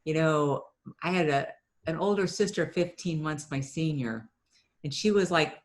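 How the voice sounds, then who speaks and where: A woman's voice: deep voice, a little slow. A middle-aged woman from Ohio, a marketing business owner, telling stories in a chatty way as a guest in an interview and often repeating a word as she restarts. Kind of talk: conversational storytelling interview.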